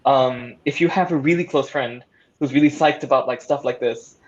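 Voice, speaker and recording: A man's voice: mid-range voice, normal speed, lo-fi sound. A man talking casually as a panelist, hesitant and thoughtful as he searches for words. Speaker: panelist, audio drama creator.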